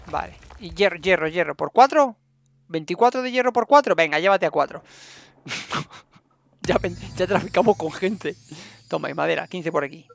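Male streamer, chatty let's play voice with a creaky edge. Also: fairly high pitch, a bit bright, dry recording, clean studio sound. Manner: chatty, talks to his game characters. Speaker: gameplay streamer. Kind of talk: casual let's play commentary.

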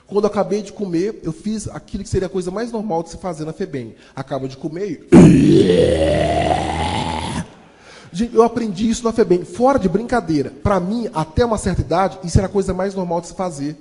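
Male motivational speaker, high, theatrical, comic storyteller, reverberant hall. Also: quick pace, few pauses. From Brazil. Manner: animated, addresses audience as "gente", acts out voices. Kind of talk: comic storytelling talk to a live audience.

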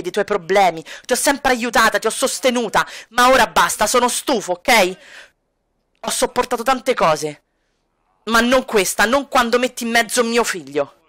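A woman's voice: medium pitch, fairly bright tone, dry recording, clean studio sound, close to an everyday voice. A woman voicing an angry grown man, a fed-up father who speaks coldly and accusingly in acted dialogue for a life-sim game. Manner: cold, bitter, accusing.

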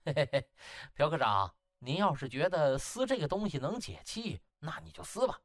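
A man's voice: on the high side, very animated, moderate pace, faint music behind. A man voicing a cocky young hospital section chief who taunts with slick mock politeness and sly chuckles. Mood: mock sympathy. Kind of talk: audiobook character acting.

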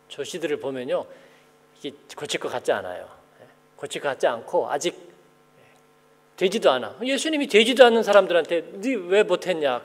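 A male pastor giving a conversational sermon, often asking the congregation questions and acting out the people he describes. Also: on the high side. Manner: animated, asks the congregation questions; acts out the people he quotes. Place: church sanctuary. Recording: long church hall reverb.

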